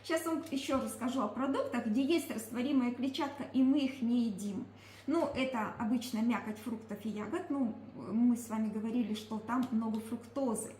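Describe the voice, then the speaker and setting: A woman's voice: fairly high pitch, moderate pace, darkish tone. A woman giving a product presentation, explaining emphatically and often asking questions that she answers herself. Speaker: presenter promoting a nutrition product. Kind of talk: product presentation talk to a group. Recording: echoey room with faint background noise.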